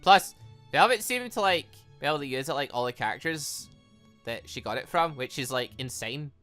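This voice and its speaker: A chatty gaming host with a bright, forceful voice and a very lively, swinging pitch. They ramble and think aloud in casual let's play commentary, excitable in manner, with music playing underneath. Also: normal speed.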